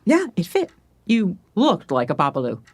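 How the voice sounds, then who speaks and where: A woman playing a kindly middle-aged former therapist in an audio drama, gentle, effusive and a little hesitant, in naturalistic conversation. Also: on the low side, huge pitch swings, normal speed, husky, full character voice. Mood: tender. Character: kindly older woman, former therapist, friend of a late mother.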